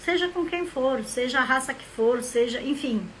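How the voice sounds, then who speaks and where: A woman from southern Brazil talks casually on a live stream, her voice sitting high in her range. She speaks in a rambling, reflective way and greets viewers by name as their comments come in. There is a faint hum of noise behind her. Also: moderate pace, a bit bright, rough recording. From Rio Grande do Sul, Brazil. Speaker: live stream host, member of a literary academy.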